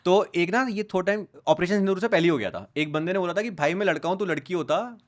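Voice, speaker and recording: A young man, a podcast guest, talking in a casual conversation and telling animated stories as he switches between Hindi and English. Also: high voice, fast. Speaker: podcast guest, content creator.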